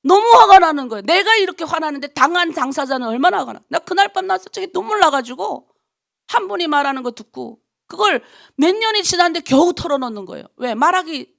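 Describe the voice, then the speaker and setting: A woman pastor, middle-aged, preaches at a dawn prayer service. Her voice sits high, with a gravelly, fried edge, and she pushes her congregation with heated rhetorical questions. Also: a bit bright. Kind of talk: early-morning prayer sermon.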